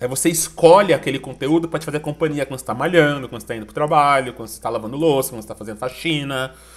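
Talking at a very fast pace with hardly any pauses, a man has a fairly high pitch, ordinary pitch variation and big swings in loudness against a quiet background. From Brazil. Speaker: filmmaker and narrative strategist; interview guest, podcast director. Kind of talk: casual interview. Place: home room.

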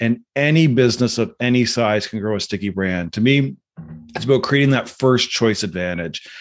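A man's voice with music in the background. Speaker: author and strategy consultant. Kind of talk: casual chat. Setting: video call. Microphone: video call.

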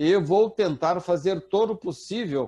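This man's speech is very slow in pace, and his intonation is lively. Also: quiet background. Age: 70s. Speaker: spiritist speaker and writer; speaker. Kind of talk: lecture interview. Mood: calm, earnest. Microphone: lapel.

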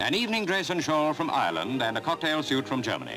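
Over background music, a man with a British accent talks at a fairly quick pace, his medium pitch moving in very wide swings. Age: recorded 1956. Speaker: newsreel narrator. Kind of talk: vintage newsreel narration. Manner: jaunty, brisk.

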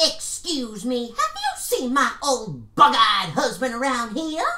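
A man's put-on character voice at an extremely high pitch, fairly slow in pace, over clear background noise. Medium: voice reel.

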